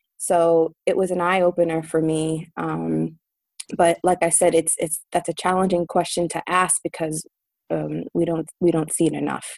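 A woman with an American accent at a moderate pace, in a dry, close sound with no echo. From Boston. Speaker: dental hygienist, association president.

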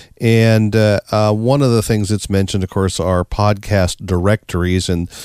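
A man talks at a fairly quick pace in a plain, everyday voice. His pitch is fairly low, with ordinary variation. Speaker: podcaster. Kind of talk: call-in question.

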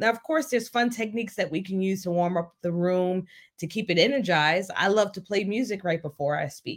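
Recorded very cleanly with a silent background, a woman uses an ordinary speaking voice at a medium pitch, speaking at a fairly quick pace with ordinary pitch variation. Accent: American. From New York City (Queens). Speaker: professional speaker and podcast host. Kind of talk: solo podcast talk.

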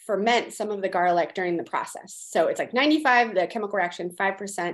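A woman's medium-pitched voice with a Californian accent and ordinary pitch variation, against a quiet background. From Southern California. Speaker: scientist and food business founder. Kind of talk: casual interview.

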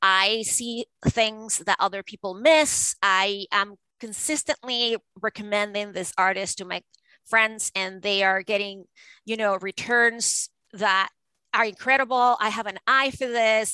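In a Spanish accent, a woman speaks at a medium pitch and a fairly slow pace with fairly even intonation, the sound dry and close with no echo. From Venezuela. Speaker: author and art advisor. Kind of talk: interview.

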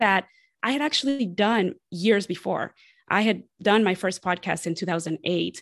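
A woman speaks in a plain, everyday voice with an American accent, at medium pitch and a moderate pace. Her intonation is lively, and the background is quiet. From Mexico City, then Columbus, Ohio. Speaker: podcast producer. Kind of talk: casual interview.

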